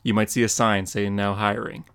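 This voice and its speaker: A man's voice: on the low side, moderate pace, gravelly, clean tone. A young man co-hosting a podcast, chatting casually with frequent laughs and jokes. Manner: laughing, joking, relaxed. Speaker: podcast co-host and comic artist. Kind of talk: casual chat.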